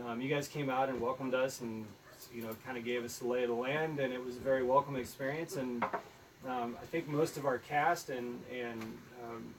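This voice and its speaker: A soft-spoken man who produces films, speaking in a thoughtful, unhurried way and filling pauses with ums. He sits some distance from a phone mic, at a middle pitch, with a faint hiss underneath. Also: fairly even intonation. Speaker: film producer, guest. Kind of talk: casual live video chat.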